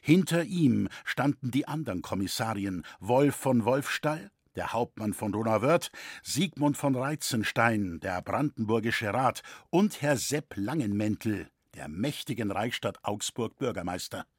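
Husky male audiobook reader. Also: mid-range voice, animated, no room sound, clean studio sound. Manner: measured storytelling. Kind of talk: audiobook reading.

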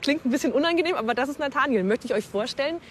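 A woman with a slightly high voice speaks casually and directly to the audience, asking questions as a reporter. Faint city noise sits behind her outdoors. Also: animated, rapid-fire. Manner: chatty, informal, addresses viewers. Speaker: reporter and host. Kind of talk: youth educational reporting.

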